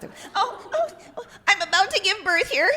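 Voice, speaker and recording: A put-on character voice, female-sounding, at an extremely high pitch and a moderate pace. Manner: comical, weird.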